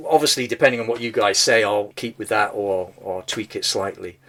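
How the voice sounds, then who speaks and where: A man who hosts a podcast and writes songs talks casually about his own music, poking fun at himself along the way. His voice is lowish, slightly thin, and a bit bright, and he speaks a little fast.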